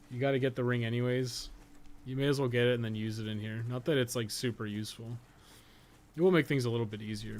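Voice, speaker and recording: A man giving casual, off-the-cuff video game commentary, rambling and thinking aloud with mild swearing. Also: medium pitch. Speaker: podcast co-host playing a video game.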